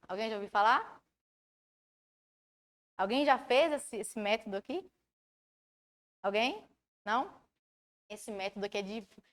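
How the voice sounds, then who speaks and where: A woman with a Brazilian Portuguese accent, a study mentor giving an online lecture who asks her audience questions and explains in an animated way. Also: on the high side.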